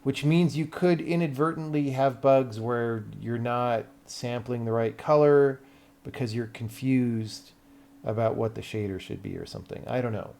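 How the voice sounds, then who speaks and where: A man's voice: medium pitch, expressive, normal speed, gravelly, a little mellow, a little hiss or hum. An American man talking casually on a livestream as a game developer, blunt and sweary, thinking aloud as he explains things to viewers.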